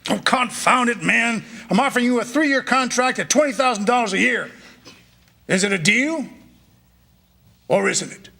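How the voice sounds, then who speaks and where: A man's voice: very high voice, lively intonation, moderate pace, creaky, pauses often, pushed and bright, exaggerated voice. A man playing a scheming, condescending rich old man in a staged 1940s-style radio drama, wheedling and commanding. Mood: impatient. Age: older.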